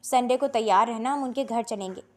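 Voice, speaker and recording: A woman voicing a calm, kindly middle-aged father who speaks with a smile in an audio story. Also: on the high side, natural voice. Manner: warm, smiling.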